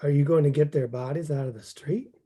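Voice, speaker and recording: A man's voice: fairly high pitch, a little fast, warm tone, breathy edge. A man playing an anxious townsman, hesitant and questioning, in a drama table read.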